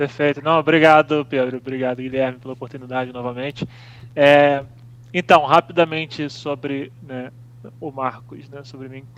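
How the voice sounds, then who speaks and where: Big swings in loudness run through this man's monotone, flat intonation. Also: fairly high pitch for a man, moderate pace. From Brazil, Rio de Janeiro. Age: 30s. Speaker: data analytics company CEO. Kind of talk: interview. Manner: hesitant, many fillers.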